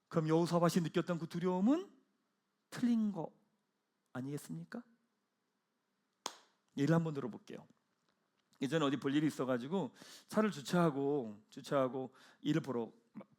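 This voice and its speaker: A man preaching a Sunday sermon as pastor, swinging between loud proclamations and hushed, low asides. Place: church sanctuary.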